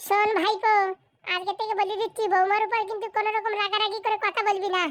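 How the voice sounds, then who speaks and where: Squeaky, fast-talking village cartoon fellow. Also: male voice, level tone, fairly bright tone, no echo. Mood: earnest, folksy. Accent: rural Bengali. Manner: folksy, teasing, exclamatory. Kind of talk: comedy cartoon dialogue.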